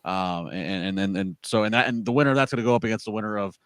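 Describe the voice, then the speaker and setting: A man's voice: fairly low pitch, fast talker, smooth, no echo, studio quality. A man hosting a casual wrestling podcast, rambling through a show recap with many fillers and restarts. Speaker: podcast host.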